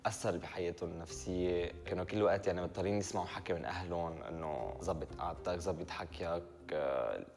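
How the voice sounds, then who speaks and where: A man's voice: low-pitched, fast, vocal fry, few pauses, in a large hall, over music. A man in his twenties with a Lebanese Arabic accent, speaking earnestly in a recorded interview. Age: 20s. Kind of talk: video interview testimony.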